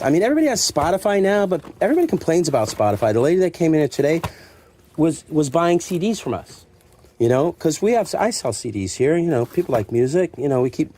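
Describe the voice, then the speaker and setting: Showing stock from his secondhand store, a middle-aged man with a relaxed, mellow, ordinary-pitched voice rambles casually to camera. He pokes fun at himself and acts out imagined remarks, with some background noise and clicking behind him.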